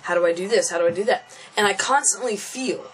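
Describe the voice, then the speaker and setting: A man's voice: high-pitched, fast talker, fairly bright tone, a little hiss or hum, poor audio. A young transgender man venting casually to camera, frustrated and thinking aloud, often restarting and repeating phrases. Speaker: vlogger.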